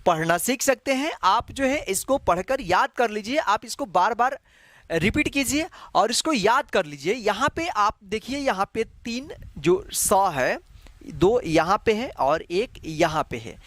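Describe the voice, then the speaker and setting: This slow online Hindi lesson comes from a high-pitched man with lively intonation and a measured pace, his voice a bit bright on a dry recording. He is patient, repeats each letter several times, and habitually says "jo hai."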